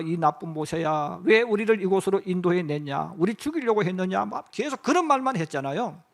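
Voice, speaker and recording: A man's voice: high voice, vocal fry. A middle-aged male pastor preaching a sermon. He tells the story vividly, acts out quoted voices and speaks directly to the congregation.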